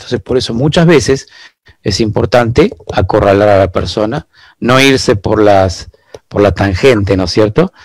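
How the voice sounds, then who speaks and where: A low-pitched man lectures patiently as an interview guest, his voice gravelly with fry. He is recorded close and dry, with no room sound. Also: a little mellow, dry recording. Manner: measured, lecturing, with frequent rhetorical asides. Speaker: guest expert on biological decoding. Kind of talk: explanatory interview answers.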